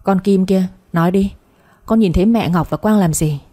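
A woman's voice: mid-range voice, normal speed, dark tone, close to an everyday voice. A woman voicing a stern older father-in-law who scolds his daughter in a read-aloud story. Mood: angry.

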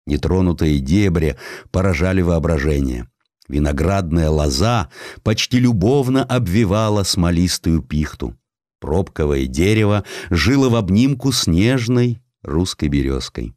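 A man with a deep voice narrates historical literature in a dramatic storytelling style. His delivery is lively and widely varied in pitch, and the recording is dry and close. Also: unhurried, no room sound. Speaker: audiobook narrator.

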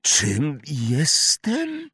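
A man's voice: mid-range voice, wildly swooping pitch, very slow, dry recording, studio quality, heavily acted. Man doing a bewildered young boy. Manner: hesitant, puzzled questions. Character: bewildered eleven-year-old boy, timid.

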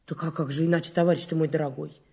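A woman's voice: deep voice, fairly even intonation, racing, dark tone, slightly rough. An actress playing a talkative, folksy older woman eyewitness in an audio drama, speaking in a rustic, colloquial way. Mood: eager, gossipy. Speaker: witness. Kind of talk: Russian audio drama acting.

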